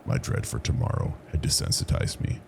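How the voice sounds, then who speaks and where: A man with a deep, firm, gravelly voice narrating a scary story in measured, deliberate phrases. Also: background noise. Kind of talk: scripted first-person horror story narration.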